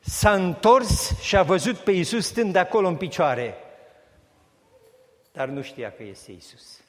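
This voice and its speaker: A man's voice: high voice, sing-song. Man preaching in an echoing hall. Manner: emphatic preaching that rises to raised repetitions. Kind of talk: sermon. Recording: long hall reverb.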